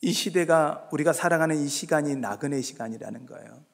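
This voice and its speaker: A male pastor giving a sermon, moving between hushed asides and loud, emphatic exhortation, now and then acting out his listeners in dialogue. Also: a little high, fairly quick, gravelly. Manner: acts out congregants' voices in dialogue. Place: church sanctuary. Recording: long reverb of a church sanctuary.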